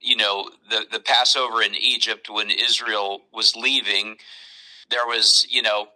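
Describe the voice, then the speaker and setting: A man's voice: on the low side, little pitch movement, a little slow, sharp tone, poor audio. A man talking as a guest in a casual phone conversation, explaining things in a loose, discursive way.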